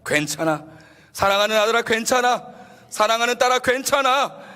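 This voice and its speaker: A tender Lord soothes his children with a raised, reassuring voice, spoken by a male pastor. The lines come out high and full, and a long church reverb follows each one. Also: lively intonation, moderate pace, pushed and bright, clear, resonant tone, heavily acted.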